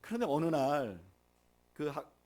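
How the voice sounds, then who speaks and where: A middle-aged man preaching from the pulpit, his fairly high voice swinging widely in pitch. He builds to loud emphasis, then falls soft, and leads his listeners in reading aloud together. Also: sing-song, measured pace. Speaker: pastor. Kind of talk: sermon.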